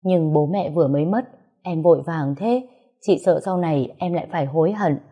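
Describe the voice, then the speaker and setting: A woman's voice: low-pitched, fairly quick, warm tone, breathy edge. A woman voicing a weeping, remorseful older sister who pleads and frets. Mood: worried. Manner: tearful, pleading.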